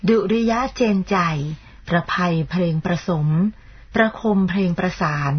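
Have her co-host the radio talk in a mid-pitched, husky voice. Keep her polite and chatty with her partner, and read the titles smoothly. The sound is a dull, lo-fi radio recording. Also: measured pace.

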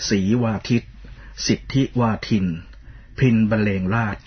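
Have him co-host the radio talk in a low, very husky voice. Keep it polite, measured and formal, with an even pace through the list of titles. The sound is a dull, lo-fi radio recording. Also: male voice.

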